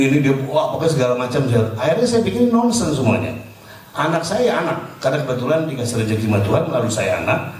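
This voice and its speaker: A man's voice: fairly high pitch, a little mellow, very echoey, distant mic, a little hiss or hum, poor audio. A middle-aged man sharing a personal spiritual testimony in a loose, casual way, mixing in English words and chuckling at himself.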